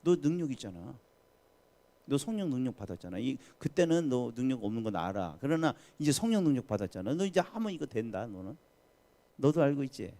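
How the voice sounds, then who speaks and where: A sly, scheming devil who coaxes and needles in a low, familiar tone, as a preacher acts him out. The voice swings freely up and down as it goads. It's hushed and close, like a tempter whispering in your ear. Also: male voice, sing-song, a little fast. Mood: taunting. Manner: coaxing, needling, speaks in familiar talk-down. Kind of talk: sermon retelling.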